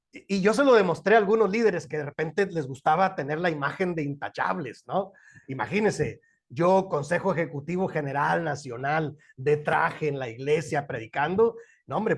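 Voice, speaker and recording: A middle-aged man with a Mexican accent, a pastor teaching a church class on family life in a folksy, joking way, often asking the class questions. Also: high-pitched. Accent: Mexican Spanish.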